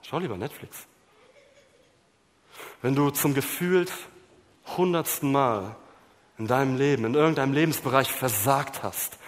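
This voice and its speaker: A man preaching a sermon, swinging between loud emphasis and hushed, low passages. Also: moderate pace, long reverb tail. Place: church hall.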